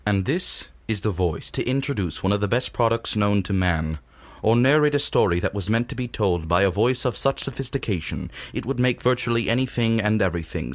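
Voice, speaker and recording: A man performing a suave, sophisticated narrator with a refined, pompous and measured delivery. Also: lowish voice, expressive, no room sound. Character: suave, sophisticated male narrator introducing things. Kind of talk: polished scripted voice-over demo narration.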